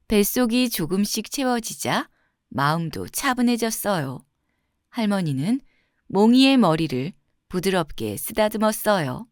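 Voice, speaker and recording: A woman tells a children's fairy tale as a scripted narration. Her delivery is gentle and very melodic, phrase by phrase, with a close, dry sound. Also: mid-range voice, no room sound. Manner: gentle, expressive storytelling with clear phrasing.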